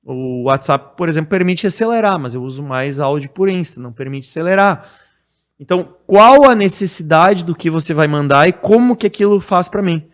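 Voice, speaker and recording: A man from Brazil, a podcast guest talking casually in a blunt, direct way and growing animated when he explains. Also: fairly high pitch, fairly quick. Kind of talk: casual conversation.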